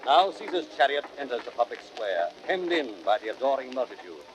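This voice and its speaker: A man's voice: mid-range voice, big pitch swings, brisk, loud music behind the voice, lightly acted. A man narrating a classical drama in a dramatic, scripted style. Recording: dull, noisy vintage record.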